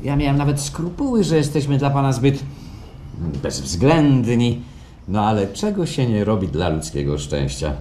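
An actor in a radio play playing an effusive, courteous, inquisitive clinic administrator, with halting, fawning politeness. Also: male voice, mid-range voice, big pitch swings, warm tone, lightly acted. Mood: ingratiating, curious. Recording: faint background noise, live stage.

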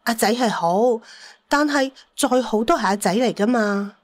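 A woman's voice: on the high side, a little slow. A woman playing a vain, wheedling older second mother, flustered but cheeky, in an audio drama. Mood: flustered, pleading. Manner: pleading, then cheekily boastful.

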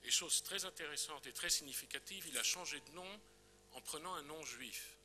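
A man's voice: on the high side, moderate pace, bright, forceful tone, a little hiss or hum. A man giving an explanatory historical talk at a conference and addressing a colleague directly. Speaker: conference speaker. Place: conference hall.

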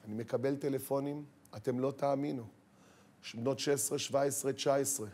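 A man lecturing parents as a rabbi, dramatic, acting out scolding voices and swinging from loud to hushed. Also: mid-range voice, fairly even intonation. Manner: dramatic, acts out scolding parents and teens, shifts from shouting to hushed. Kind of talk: sermon.

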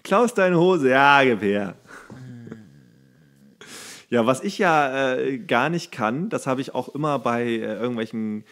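A man's voice: medium pitch, expressive, measured pace, pauses often, fairly bright tone. Chatty German podcast man, laughing often. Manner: chatty, laughs often, stumbles and self-corrects while reading aloud. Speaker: podcast co-host. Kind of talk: casual chat.

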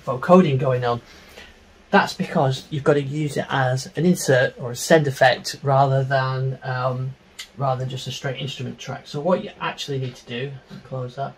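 A middle-aged man giving an informal, unscripted tutorial on music software, explaining step by step into a handheld microphone in a small home studio. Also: medium pitch, a little hiss or hum, low-quality recording. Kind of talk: informal screen-share tutorial.

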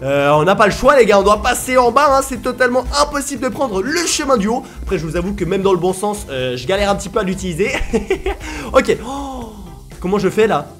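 A young man gives energetic gameplay commentary, often shouting and laughing as he talks to viewers. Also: sits high, brisk, faint music behind. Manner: excitable, shouts and laughs often, addresses viewers as "les gars". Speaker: gaming YouTuber.

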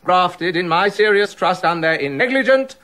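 A man's voice: high voice, expressive, moderate pace, bright, forceful tone, no echo. An actor playing a jealous, brooding king in a radio drama, muttering bitter asides and building to angry accusation. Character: jealous brooding king, middle-aged man.

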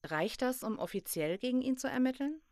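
An actress playing a serious, probing investigator in a German audio drama. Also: female voice, high voice, animated, brisk, a little mellow, dry recording, studio quality. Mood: serious, pondering.

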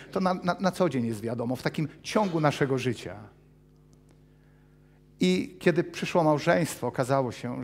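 Man, 50s, pastor, sermon, animated, reverberant church hall. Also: mid-range voice. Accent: Polish. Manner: animated, gesturing broadly while pacing the stage. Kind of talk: sermon with personal testimony.

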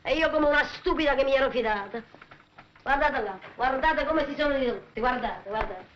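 A woman's voice: sits high, fairly quick, lo-fi sound, slight background noise, natural voice. An actress playing an angry middle-aged woman who sharply scolds two men in an old film comedy. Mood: scolding. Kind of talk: 1950s film comedy acting.

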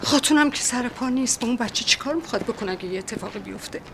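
An actress playing an earnest young woman in a period TV drama, pleading softly and urgently. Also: a little high, animated, gravelly, background noise. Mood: worried. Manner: earnest, pleading, soft-spoken at times.

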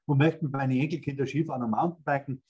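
An older man with a Bavarian accent, a guest on a video-call interview, telling lively stories about his plans. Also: mid-range voice, quick pace, husky, muffled recording. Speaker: guest, speaker agency founder. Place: indoors, in front of a red stage curtain backdrop.

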